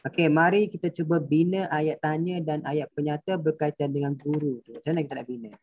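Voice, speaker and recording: A man's voice: a little high, a little mellow. A male primary school teacher with a Malaysian Malay accent, patiently explaining a grammar lesson and quizzing his pupils. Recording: dull dry lo-fi recording.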